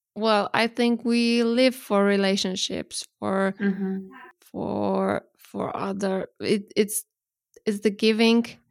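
In a Polish accent, a woman speaks at a very slow pace in a medium pitch with monotone, flat intonation and a dry, close sound with no echo. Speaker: podcast host.

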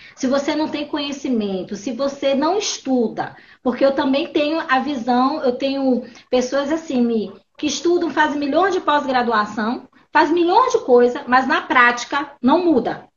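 A woman speaks fairly slowly at a high pitch. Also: lively intonation. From Belém do Pará, northern Brazil. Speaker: occupational therapist and course lecturer. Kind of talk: casual interview.

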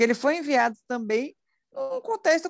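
A woman with lively intonation at a moderate pace, in a dry, close sound with no echo over a quiet background. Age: 30s. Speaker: podcast co-host, architect. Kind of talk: casual chat.

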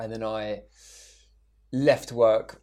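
This is a man's voice. He speaks with a South London accent. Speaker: retired pro triathlete and coach. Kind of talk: casual chat.

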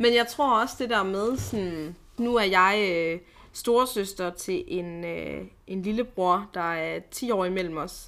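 Very slowly, a woman speaks at medium pitch with ordinary pitch variation, on a very clean recording with a silent background. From Denmark, rural village. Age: 20s. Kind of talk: casual chat.

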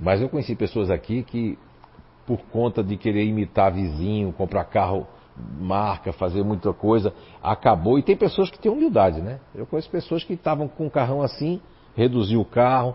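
The speaker talks at a moderate pace in a somewhat breathy voice, with lively intonation and big swings in loudness. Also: man, fairly low pitch for a man. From Blumenau, Santa Catarina, Brazil. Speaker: spiritist lecturer. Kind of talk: lecture with audience Q&A. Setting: live in-person event with online audience.

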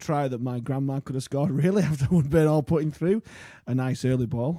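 With a British accent, a man talks at a moderate pace in a medium pitch, his tone dark and mellow and his pitch variation ordinary. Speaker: podcast host. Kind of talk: live-streamed sports chat. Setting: live stream. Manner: rambling, repeats words.

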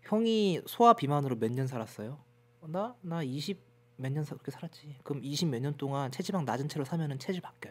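A man speaks at a fairly quick pace in a fairly high pitch. His is an unremarkable speaking voice. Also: lively intonation. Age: 30s. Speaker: fitness YouTuber. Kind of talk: casual chat.

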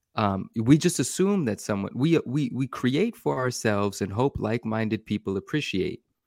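With an American accent and a plain, everyday voice, a man talks at a medium pitch and moderate pace, his intonation lively. The recording is very clean, with a silent background and a dry, close sound with no echo. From US West Coast, San Francisco Bay Area. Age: 30s. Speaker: podcast co-host and YouTube show panelist. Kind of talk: casual chat.

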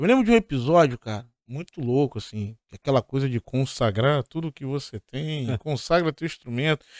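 This man has a normal speaking voice, fairly high in pitch, with ordinary pitch variation at a moderate pace. He speaks with hardly any pauses in a very clean recording against a silent background. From Rio de Janeiro favela. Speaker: drummer and gospel musician. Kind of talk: casual chat.

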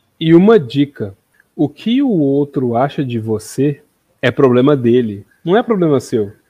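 The man speaks at a fairly slow pace. His pitch swings very widely. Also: fairly high pitch for a man. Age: 40s. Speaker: podcast co-host. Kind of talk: casual chat.

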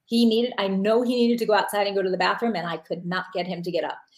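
On a very clean recording with a silent background, a woman with a New York accent speaks at a medium pitch with ordinary pitch variation. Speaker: dog rescue advocate. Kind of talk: interview testimony. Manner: fast.

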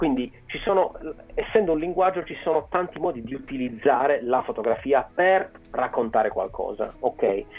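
Here a man with fairly high pitch speaks at a moderate pace, his pitch swinging very widely. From Sardinia, Macomer. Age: 40s. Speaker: photographer. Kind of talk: interview. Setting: live stream. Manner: halting.

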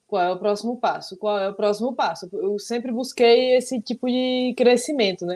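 A woman with an ordinary speaking voice talks at a moderate pace with fairly high pitch and ordinary pitch variation against a quiet background. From Sergipe, northeastern Brazil. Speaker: economist and trader. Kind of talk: casual interview chat.

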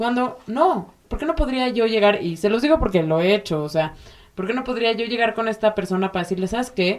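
With a Mexican accent, the speaker moves at a fairly quick pace. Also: woman, fairly high pitch for a woman, lively intonation. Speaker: podcast co-host. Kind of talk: casual chat.

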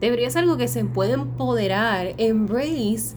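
Speaking at a very slow pace, a woman's voice moves through very wide pitch swings. Her delivery is drawn out. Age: 20s. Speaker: podcast host and life coach. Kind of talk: reflective solo podcast monologue.

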